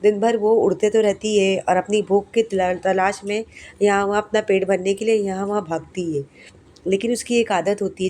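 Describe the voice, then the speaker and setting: Mellow-voiced woman teaching young children. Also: medium pitch, a little hiss or hum. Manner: asks the class questions and answers them herself; recites the poem slowly in a sing-song way. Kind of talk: explaining a poem to young children.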